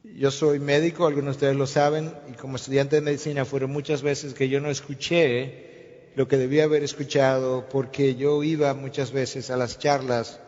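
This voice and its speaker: A man's voice: mid-range voice, level tone, normal speed, darkish tone. Pastor, male, sermon delivery with acted-out dialogue, dull lo-fi recording. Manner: storytelling preacher, acts out dialogue. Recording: long hall reverb, dull lo-fi sound.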